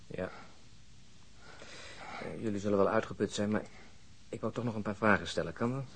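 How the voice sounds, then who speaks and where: A man's voice: lowish voice, moderate pace, a little hiss or hum, close to an everyday voice. An actor playing a blunt, short-tempered male police investigator in a radio drama. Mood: probing. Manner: questioning, emphatic, easily exasperated.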